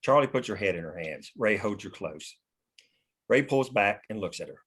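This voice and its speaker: A man with a fairly low voice reads scene headings and action lines. His scripted narration is matter-of-fact, as at a screenplay table read. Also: expressive, normal speed, a bit bright, slightly rough. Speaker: stage-direction narrator.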